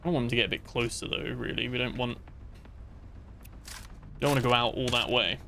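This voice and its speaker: A man's voice: mid-range voice, fairly even intonation, a little fast, gravelly, bright, forceful tone, a little hiss or hum. A man chatting casually while livestreaming a game, rambling with many fillers and restarts as he talks to his viewers. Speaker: gaming livestreamer. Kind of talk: casual live gameplay chat.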